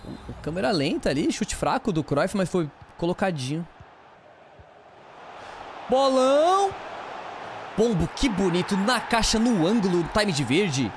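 A man with a Brazilian Portuguese accent doing live gameplay commentary for a football video game. He yells at his players and talks in casual slang. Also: sits high, unhurried, pauses often, slight background noise. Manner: excitable, shouts at players, slangy banter. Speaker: gaming streamer.

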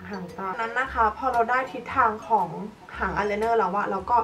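In this relaxed makeup tutorial, a young woman vlogger demonstrates products while talking in a steady, mid-range voice at a normal speed. Light background music plays, and she's slightly distant from the microphone.

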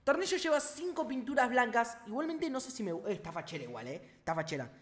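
Young man, Rioplatense Spanish accent, excitable and slangy gameplay commentator talking to viewers. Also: very high-pitched, quick pace. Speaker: gaming youtuber.

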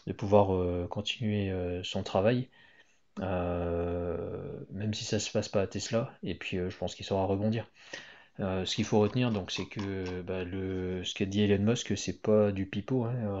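A man's voice: sits low, a little mellow. A man talking casually over a screen recording, hesitant, with many fillers and restarts. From Hong Kong. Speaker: YouTuber commenting on Tesla news. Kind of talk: casual screen-share commentary. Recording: muffled lo-fi voice-over.

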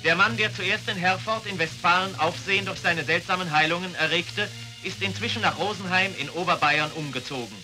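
A man reading a formal, measured narration for an old newsreel, heard from an archive recording. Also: high-pitched, poor audio. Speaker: newsreel announcer. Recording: old newsreel sound with loud music.

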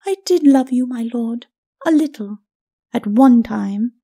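A taunting skeleton noblewoman from a storybook, acted out by a woman. Her voice is highish and gravelly at the edges, swinging widely in pitch. She delivers cutting, formal archaic lines with bitter scorn. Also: animated, measured pace, dark tone. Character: scornful, taunting skeleton lady, an embittered wife. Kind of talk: storybook character acting.

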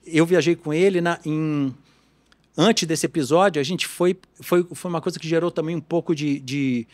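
A man talks as a podcast guest in a somewhat high register. He is animated and talkative, often breaking off and restarting his sentences. He speaks as an easygoing, expert shop owner. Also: normal speed. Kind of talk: casual podcast conversation.

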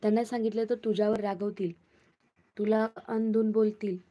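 A woman's voice: mid-range voice, level tone, normal speed, warm tone, natural voice. A woman playing a fussy palace maid. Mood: warning. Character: anxious young palace maid, fussy and cautious.

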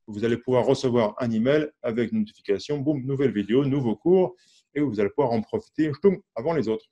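A man's voice: mid-range voice, mellow, lo-fi sound. A man teaching a casual online music lesson, chatty and full of fillers, counting and singing out syllables over an instrument.

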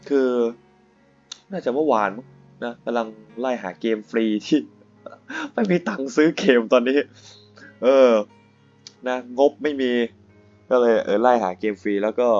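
A man's voice: medium pitch, darkish tone. A young man chats loosely while he plays a computer game. He rambles, jokes and swears in easy slang. The sound is a bit dull, and faint game music plays underneath. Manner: rambling, joking, crude slang. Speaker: gaming YouTuber. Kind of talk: casual let's-play commentary.

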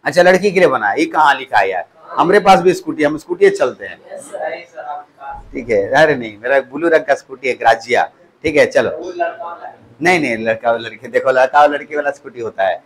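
A man's voice: medium pitch, expressive, brisk. A male polytechnic teacher giving a classroom lecture, repeating key words back to his students as questions. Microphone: clip-on mic at the waist.

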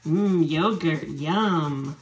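A woman's voice: sits low, extremely slow. A woman in her thirties cooking at home with her toddler, talking in patient, sing-song coaxing phrases. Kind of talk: casual kitchen chat with a toddler. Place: home kitchen, indoors. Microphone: camera on the kitchen counter. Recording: roomy kitchen echo with clear background noise.

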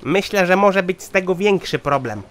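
A man's voice: high voice, animated, normal speed, a bit bright. A man voicing a callous, dutiful foreman in a satirical cartoon, reporting formally and matter-of-factly.

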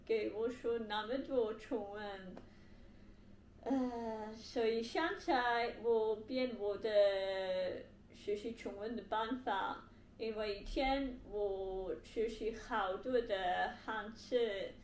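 A young woman, a non-native Mandarin speaker with a foreign accent, talks casually to camera in a halting way, searching for words. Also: fairly high pitch, fairly even intonation, a little mellow. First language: not Mandarin. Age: young adult. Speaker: language learner vlogger. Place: indoor living room with bare wall, on sofa. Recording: echoey room, faint background hiss.

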